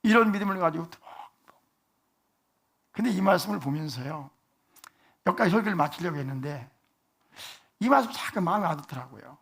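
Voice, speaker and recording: Husky pastor preaching in casual tones. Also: male voice, fairly high pitch, animated, fairly quick, long pauses, fairly bright tone. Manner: conversational, asks the congregation rhetorical questions. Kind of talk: sermon. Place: church sanctuary.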